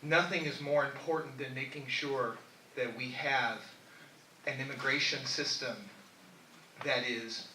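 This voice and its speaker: A man, a city councilman running for office, answering in a political debate in a halting, measured way. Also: medium pitch, fairly even intonation, bright, forceful tone, slight background noise. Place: debate hall. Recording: echoey hall from far off.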